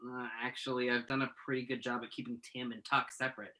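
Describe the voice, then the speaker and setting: A man's voice: mid-range voice, level tone, fast, bright, forceful tone, lightly acted, poor audio. A man playing an exasperated, principled young journalist in a staged play reading, protesting with wry sarcasm in natural dialogue. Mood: defensive.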